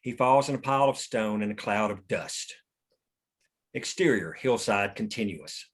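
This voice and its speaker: A man's voice: fairly low pitch, lively intonation, moderate pace, breathy edge. A man narrating stage directions at a scripted table read.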